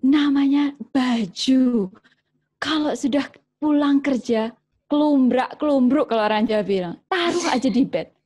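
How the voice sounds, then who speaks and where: Brief: woman doctor, high voice, animated parenting lesson with acted-out examples. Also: a little slow, breathy edge. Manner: lively, acts out mother and child voices, mixes in English phrases. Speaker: doctor giving parenting advice. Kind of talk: parenting talk.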